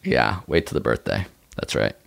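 A man's voice: low-pitched, huge pitch swings, moderate pace, vocal fry, dry recording, studio quality. A man co-hosting a comedy podcast in casual, joking banter, often slipping into acted-out imaginary dialogue. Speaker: podcast co-host.

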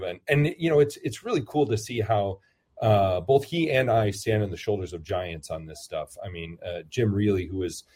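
Low-voiced priest chatting casually. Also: male voice, dark tone. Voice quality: lower voice. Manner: rambling, self-deprecating, many fillers and restarts. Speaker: priest and football chaplain. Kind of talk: casual interview answers.

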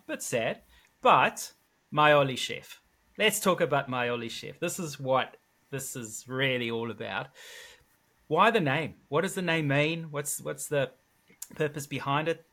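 A man's voice: fairly high pitch, lively intonation, a little slow, sharp tone. A man from South Africa with a South African accent, hosting a conversational interview in an effusive, encouraging way. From South Africa, east coast. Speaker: interview host.

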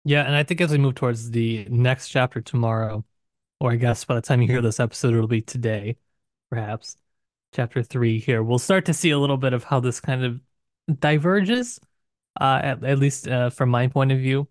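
A man's voice: medium pitch, moderate pace, no room sound. Man chatting about books, close dry sound. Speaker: podcast co-host. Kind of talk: casual book discussion.

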